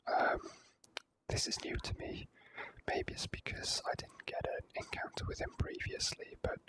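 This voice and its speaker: A person whispering relaxed, unhurried ASMR commentary while playing a video game.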